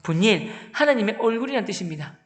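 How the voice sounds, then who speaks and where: A man gives a humorous testimony as a church deacon. He acts out every exchange in lively storytelling, jumping into loud outbursts, and his voice sits unusually high. A church hall around him adds a long, roomy reverb. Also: fast talker.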